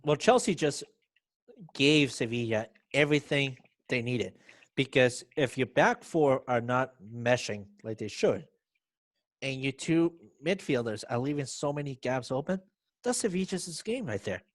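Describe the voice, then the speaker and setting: A man's voice: medium pitch, lively intonation, a little slow, no echo, studio quality. A man co-hosting a podcast, giving confident, opinionated football predictions. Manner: assertive, opinionated. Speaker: podcast co-host. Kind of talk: casual sports chat.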